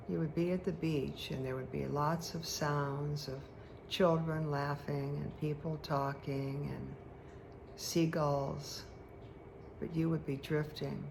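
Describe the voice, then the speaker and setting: A woman leads a guided meditation in a very slow, even voice. She lets phrases settle with long, deliberate pauses, soothing and hypnotic, with a gravelly fry in the tone. Clear background noise sits under her voice. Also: sits low.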